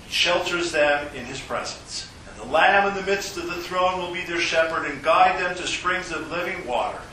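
A pastor reading names of the departed and the communion liturgy in a slow, solemn way, with a cathedral echo. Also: male voice, on the high side, pushed and bright, a little hiss or hum. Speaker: pastor leading worship. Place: large church sanctuary. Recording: distant mic in a cavernous echoing church, organ music.

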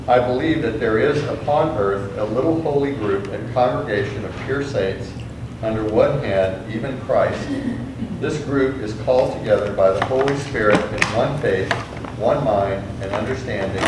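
Low male reader, far off mic, roomy and noisy. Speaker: class member reading aloud. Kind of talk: reading a text aloud. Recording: distant in an echoey room with noise.

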